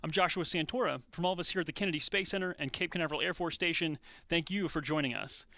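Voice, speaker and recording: A male anchor presents in a polished announcing style. He talks fast in a slightly high, bright and forceful voice, recorded clean and dry. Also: dry recording. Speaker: broadcast anchor.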